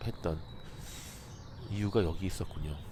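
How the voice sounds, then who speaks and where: A man is talking. His pitch variation is ordinary. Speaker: team leader presenting a shared testimonial. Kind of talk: reading a testimonial aloud with personal commentary.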